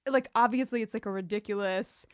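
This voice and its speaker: A woman's voice: mid-range voice, a little fast, smooth, dry recording, studio quality. A woman co-hosting a podcast, chatting casually about a TV show in a playful, wry, rambling way full of "like". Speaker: podcast co-host.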